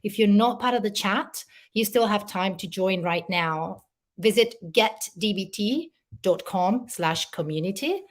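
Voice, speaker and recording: A woman hosting a conference session, reading a clear, orderly scripted introduction and announcements. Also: mid-range voice, lively intonation, unhurried. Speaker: session host.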